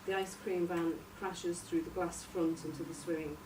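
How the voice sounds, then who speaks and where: Low-voiced woman, roomy distant recording. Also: little pitch movement, moderate pace. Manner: tentative, searching for words. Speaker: workshop participant presenting a radio drama outline. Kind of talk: halting informal story pitch. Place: echoey room, recorded from a distance. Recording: roomy, distant mic, noisy background.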